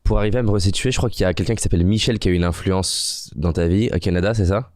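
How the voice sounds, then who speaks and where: A man's voice: low voice, racing, a little mellow, dry recording, clean studio sound. A man interviewing a guest, asking short probing follow-up questions.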